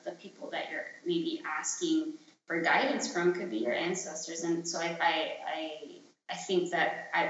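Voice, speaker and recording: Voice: medium pitch, a bit bright, a little hiss or hum. A speaker in their late twenties from Chile, giving reflective, searching answers as an interview guest, often hesitant and trailing off. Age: late 20s. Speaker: podcast guest, artist and activist. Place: echoey room. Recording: dull, roomy lo-fi sound.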